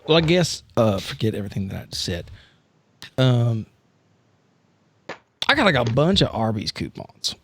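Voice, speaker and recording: Man playing a rambling, animated, sheepish schemer. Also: mid-range voice, creaky, slight background noise. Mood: sheepish, bargaining. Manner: halting, rambling, self-interrupting. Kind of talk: improvised tabletop roleplay.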